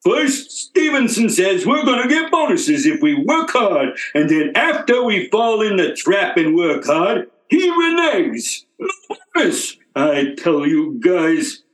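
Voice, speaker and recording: An actor playing a grumbling, cautious factory worker in old-time radio comedy style. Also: male voice, sits high, big pitch swings, slow pace, a bit bright, exaggerated voice. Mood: bitter. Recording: roomy, echoing recording.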